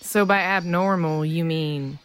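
A woman acting a brash small-town matriarch in a fiction podcast. Her voice is on the low side, and she talks in a blunt, teasing, familiar way, bossing people about. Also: fairly even intonation, a little slow, clear, resonant tone, close to an everyday voice. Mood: skeptical, teasing. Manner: familiar, blunt, uses pet names. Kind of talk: audio drama acting.

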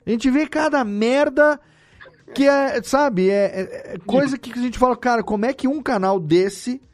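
A man's voice: very high voice, a little slow. A Brazilian man hosting a conversational podcast interview, speaking in an emphatic, colloquial way. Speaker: podcast host.

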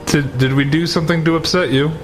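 A man playing a tabletop game, improvising casual role-play in a deadpan manner. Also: on the high side, fast, loud music behind the voice.

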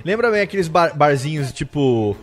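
A man's voice: fairly high pitch, sing-song, moderate pace. A man with a Brazilian accent hosting a casual group chat about old music. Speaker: podcast host. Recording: music playing under the talk.

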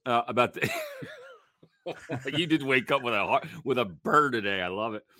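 A man's voice: medium pitch, expressive, normal speed, bright, forceful tone. A man co-hosting a podcast in casual chat, teasing and profane. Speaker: podcast co-host.

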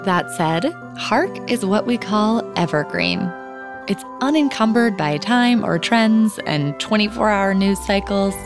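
Woman, podcast host, scripted narration, measured delivery, music underneath. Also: medium pitch, lively intonation. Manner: polished, measured storytelling delivery.

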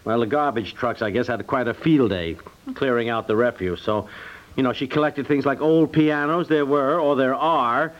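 An actor playing a good-natured, middle-aged American husband in 1950s radio comedy, with a hesitant, conversational delivery. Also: male voice, mid-range voice, moderate pace, close to an everyday voice. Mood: gently apologetic. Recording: dull 1950s radio recording.

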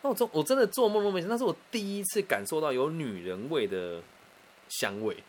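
Man, Taiwanese Mandarin accent, quick casual storytelling, chatty with restarts, faint background hiss. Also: fairly high pitch. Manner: chatty, animated, frequent restarts and asides.

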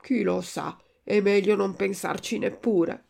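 A woman's voice: mid-range voice, steady tone, unhurried, creaky, mellow. A woman voicing a resigned, philosophical male tuna with a cracked voice in a storybook reading. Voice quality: cracked, like an untuned guitar.

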